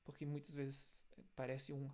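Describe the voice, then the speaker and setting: A man with a German accent, a native German speaker, teaching German pronunciation in Portuguese, explaining step by step and repeating example sounds slowly. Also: mid-range voice, monotone, darkish tone. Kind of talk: language lesson video.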